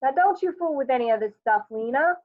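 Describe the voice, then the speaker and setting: A woman's voice: high voice, expressive, brisk, dry recording, voice pushed up. A woman voicing a tired young wife who gives short, plain replies. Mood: guarded. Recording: dry, tinny phone-like sound.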